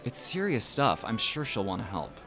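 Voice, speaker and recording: A man's voice: lowish voice, sing-song, moderate pace, over music. An actor playing an easygoing young man who jokes and reassures his friends in an audio drama, speaking casually. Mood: easygoing, reassuring. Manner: casual, joking. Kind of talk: acted dialogue in an audio drama podcast.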